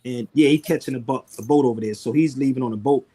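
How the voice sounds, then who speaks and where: A man's voice: mid-range voice, quick pace, warm tone, breathy edge. A man telling loose, joking stories full of slang on a casual video call. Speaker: guest.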